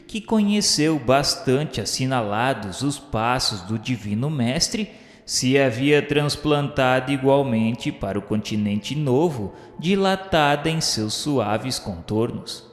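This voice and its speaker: Long reverb and music surround a man narrating a religious radio play. His mid-pitched voice moves very slowly through ornate prose, reverent and declamatory. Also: animated. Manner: reverent, declamatory, literary delivery. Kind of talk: solemn scripted radio drama narration. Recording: echoey hall-like reverb with music.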